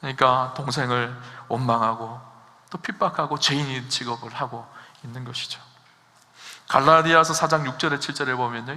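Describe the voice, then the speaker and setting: A man's voice: mid-range voice, sharp tone. A man preaching a sermon as pastor, asking his congregation questions and building to emphatic peaks. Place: church sanctuary. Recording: long hall reverb.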